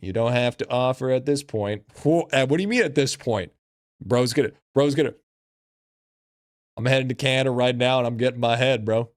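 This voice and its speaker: A man's voice: medium pitch, a little fast, no echo, studio quality. A man livestreaming in casual chat with a slangy, profane frat bro manner. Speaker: live streamer.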